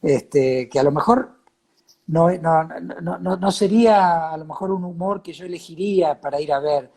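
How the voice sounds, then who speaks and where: A man with an Argentine accent hosting a casual, reflective chat, halting and repeating words as he searches for phrasing. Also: on the high side, darkish tone. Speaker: host of a talk series.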